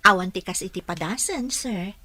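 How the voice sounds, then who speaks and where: A woman as a bright, patient female caregiver. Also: medium pitch, normal speed, no echo, lightly acted. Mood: coaxing. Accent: Filipino. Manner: coaxing, polite. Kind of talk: Ilocano radio drama acting.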